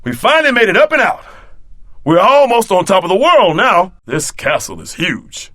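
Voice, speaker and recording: An actor playing an earnest, cautious young hero in an adventure video game, with expressive delivery. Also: male voice, high-pitched, moderate pace, no room sound, clean studio sound. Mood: relieved, determined.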